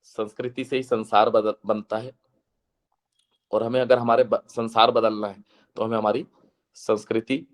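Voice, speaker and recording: A man giving an earnest devotional lecture to a seated audience, his voice slightly hoarse, slowing into a chant when he recites verses. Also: lowish voice, little pitch movement. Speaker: guest speaker.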